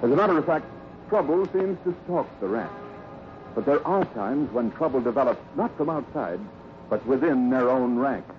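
A man's voice: mid-range voice, lively intonation, normal speed, close to an everyday voice. A man narrating a 1950s radio western in a dramatic scripted style. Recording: noisy, muffled old radio recording.

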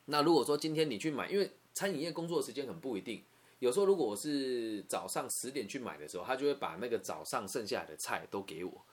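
A man's voice: medium pitch, animated, quick pace, slightly rough. A young man from Taiwan with a Taiwanese Mandarin accent, telling a personal story in an emotional, conversational way. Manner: emotional, conversational, repeats words and asks "you know?".

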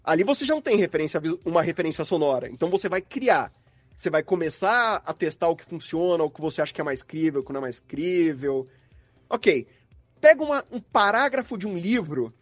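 A man's voice: a little high, big pitch swings, a little fast, dry recording. A man with a Brazilian accent talking casually as a guest sound designer, explaining his craft and acting out his thought process. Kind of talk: casual interview chat about craft.

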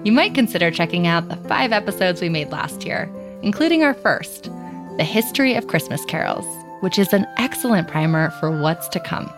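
A woman hosting a podcast, delivering polished, measured scripted narration. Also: on the low side, expressive, over music. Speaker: podcast host.

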